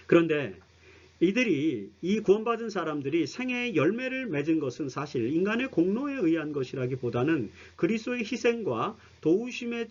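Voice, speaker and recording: In a broadcast Bible study lecture, a man whose voice sits on the high side explains things earnestly and addresses his listeners directly. The audio is dull.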